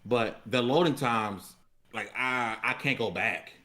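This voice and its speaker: A man with a bright, punchy voice of middling pitch talks casually on a gaming podcast. His delivery is lively and slangy, with emphatic stress on his points. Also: slow pace.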